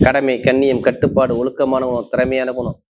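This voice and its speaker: Male astrologer, mid-pitched voice, emphatic and repetitive, punching out points in short bursts. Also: monotone, a little fast, darkish tone. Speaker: astrologer presenting horoscope forecasts. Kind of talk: monthly horoscope talk to camera.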